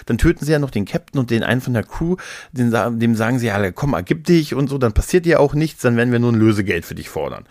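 A man in casual podcast chat, retelling stories in a rambling, animated way as a co-host. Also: medium pitch, fast talker, dry recording, clean studio sound. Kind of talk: casual chat, retelling and reviewing audio dramas.

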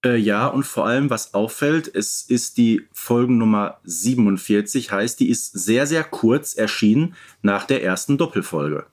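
A man's voice: on the low side, animated, normal speed, hardly any pauses. Playful man co-hosting a podcast. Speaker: podcast co-host. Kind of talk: casual fan podcast discussion.

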